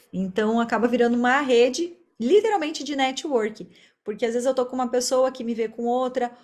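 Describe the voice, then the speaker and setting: A Brazilian woman speaking as an interview guest, a speech therapist explaining her work in a talkative, conversational way. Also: fairly high pitch. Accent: Brazilian Portuguese.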